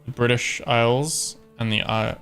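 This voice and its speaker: Male streamer, laid-back thinking-aloud delivery, crisp bright tone over faint game music. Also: medium pitch, unhurried. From born in Scotland, raised in Ireland. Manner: relaxed, thinking aloud with many ums and likes. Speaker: live-streamer. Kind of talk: casual gameplay commentary.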